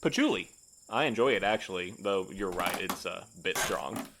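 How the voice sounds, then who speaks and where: A stubborn, by-the-book male postmaster played by a man in an audio drama. His voice is fairly low, and he talks formally with measured, polite dryness over clear night insect noise. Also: expressive. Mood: prim. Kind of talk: naturalistic audio drama acting.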